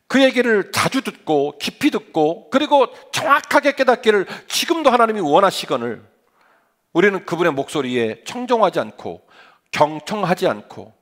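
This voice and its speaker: A middle-aged male pastor preaching a sermon in an animated, conversational way, full of rhetorical questions and humorous asides. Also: sits high.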